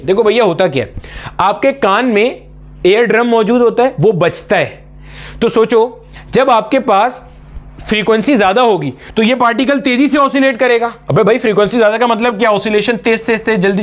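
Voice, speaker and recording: A man teaching a physics lecture at a board for exam preparation. He explains step by step, asks his students questions, answers them himself, and calls them "beta" in a familiar way. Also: very high voice.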